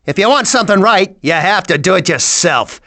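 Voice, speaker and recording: Cranky old game villain, piercing and animated, spitting old-timey abuse with drawn-out bluster. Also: female voice, lowish voice. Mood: bossy, scornful. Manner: blustering, old-fashioned cussing. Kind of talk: cartoon video game voice acting.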